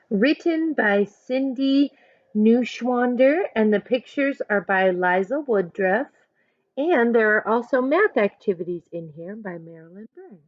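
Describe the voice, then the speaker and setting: This teacher's medium-pitched voice carries an expressive, instructive reading of a picture book for children, interrupted by moments where she talks directly to them. There's no room sound, and the audio is muffled.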